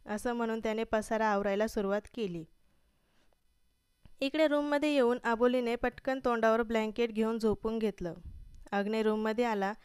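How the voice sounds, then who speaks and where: Woman storyteller, steady expressive reading, very clear voice, dry close sound. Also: a little high, no room sound. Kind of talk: scripted story narration.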